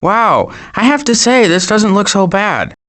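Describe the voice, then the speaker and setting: An actor voicing a cocky, wisecracking animal adventurer in an animated video game, with a breezy, glib delivery. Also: male voice, high voice, measured pace, exaggerated voice. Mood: playful.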